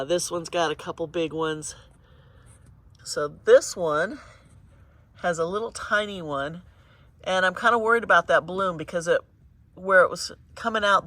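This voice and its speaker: A woman's voice: lowish voice, sharp tone, no room sound. A woman with a congested, sniffly voice chatting casually as she walks through her garden in the morning, pointing things out in a meandering way. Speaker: garden vlogger. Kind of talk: casual walk-through commentary. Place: outdoor home garden in early morning.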